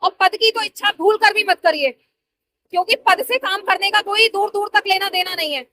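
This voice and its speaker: A woman's voice: very high voice, normal speed, sharp tone. A woman in her thirties, a party worker answering interview questions in an earnest, persuasive way. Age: 30s.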